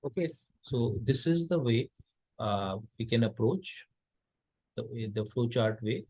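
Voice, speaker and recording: A man from India gives a recorded college lecture at a middle pitch. He explains each step patiently, often pausing on fillers and restarting his sentences. The recording is dry and close, with no room sound. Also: lively intonation, a little mellow, no room sound, poor audio.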